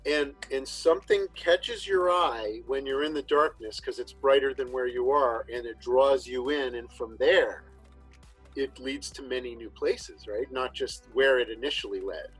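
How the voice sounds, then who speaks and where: A man hosting a casual chat show, talking in a relaxed, rambling way with frequent restarts. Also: medium pitch, a little slow, breathy edge, faint music behind, poor audio. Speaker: podcast host.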